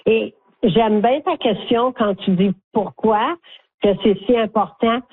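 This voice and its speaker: An older woman with a Franco-Ontarian French accent, talking as a guest in a phone interview, animated and chatty, often checking in with "ok?". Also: a little high, slow, husky. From Northern Ontario, Canada. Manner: warm, animated storytelling with frequent "ok?". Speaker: guest, community volunteer. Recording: tinny phone line.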